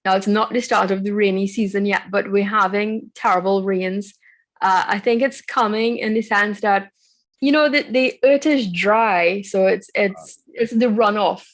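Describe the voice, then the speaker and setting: A woman, co-hosting a podcast in a calm, measured casual chat. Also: medium pitch. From Trinidad and Tobago. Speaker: podcast co-host.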